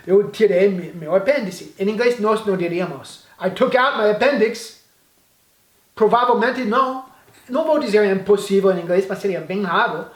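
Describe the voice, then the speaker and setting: A man whose first language is English, teaching an English lesson in Portuguese and saying the model phrases slowly and carefully. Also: sits high, reverberant.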